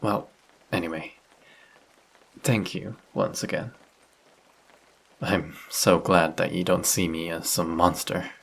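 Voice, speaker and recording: A man playing a friendly, polite vampire who speaks gently and reassuringly in an intimate roleplay audio drama, with a husky voice. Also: low voice, steady tone, slow, pauses often, exaggerated voice. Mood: gentle, earnest. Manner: polite, soft-spoken, reassuring, gently teasing. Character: friendly, courteous male vampire, gentle and caring stranger. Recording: rain sound effects behind the voice.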